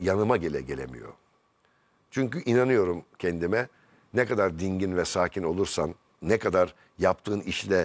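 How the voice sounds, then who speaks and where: In a dry recording with no echo, a man with a very deep, low voice and vocal fry speaks at a moderate pace with lively intonation and long, frequent pauses. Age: 60s. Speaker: jazz pianist; talk show guest. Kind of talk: interview. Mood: relaxed, cheerful. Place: studio. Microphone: lapel.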